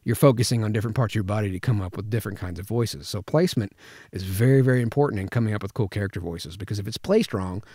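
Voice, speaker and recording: A man with a fairly low voice teaches voice acting. He talks in a casual, conversational way, as in an informal tutorial. The recording is close and dry. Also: quick pace, a little mellow, no echo. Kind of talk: informal instructional talk with vocal demonstrations. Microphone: close studio microphone, spoken slightly to the side.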